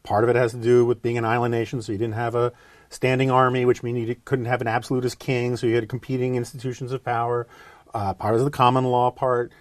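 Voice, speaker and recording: A man hosting a podcast, chatty and relaxed with many fillers. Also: medium pitch, fast talker, no echo. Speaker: podcast host. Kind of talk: casual podcast interview.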